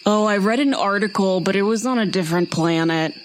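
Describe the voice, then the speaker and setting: A woman voicing a laid-back, oblivious turtle doctor in a tabletop game, speaking in a slow, hesitant drawl. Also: medium pitch, slight background noise, lightly acted. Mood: matter-of-fact.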